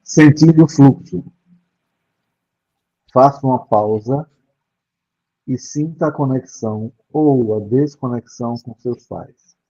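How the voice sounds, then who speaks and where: A Brazilian man reading a reflective questionnaire aloud to a group, slow and measured. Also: medium pitch, mellow, muffled recording. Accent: Brazilian Portuguese.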